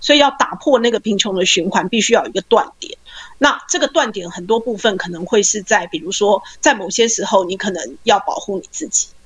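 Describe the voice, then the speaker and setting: In a plain, everyday voice, a woman with a fairly high pitch talks at a fairly quick pace, her intonation lively and her loudness swinging widely. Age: 40s. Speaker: law professor. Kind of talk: online panel discussion.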